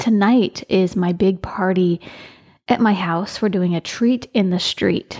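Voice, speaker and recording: A woman speaks at a medium pitch in a relaxed, dark, mellow tone. Her pace is moderate and her intonation fairly even, in a very clean recording with a silent background. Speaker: health coach and podcast host. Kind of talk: solo podcast monologue. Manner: relaxed, inviting.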